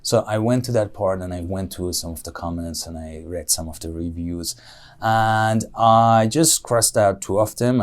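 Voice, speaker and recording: A young man whose first language is Persian, answering speaking-test questions in English with a Persian accent, pausing often on "uh" and correcting himself as he goes. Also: low-pitched, a little mellow. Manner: thoughtful, with frequent "uh" and self-corrections. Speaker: IELTS speaking test candidate. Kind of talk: exam-style spoken answers.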